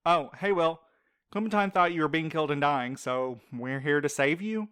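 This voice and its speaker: A man's voice: on the high side, moderate pace, fairly bright tone, clear, resonant tone, no room sound, studio quality, lightly acted. A man playing a snarky, wisecracking young sidekick in an audio drama, casual and sarcastic. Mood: sardonic. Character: Milo, snarky, wisecracking, caffeine-bribed young male sidekick.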